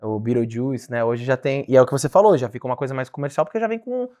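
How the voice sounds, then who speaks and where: A man co-hosting an interview show who talks quickly and strings together examples. His tone is casual and conversational, with a mid-range voice. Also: mid-range voice, mellow. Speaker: co-host.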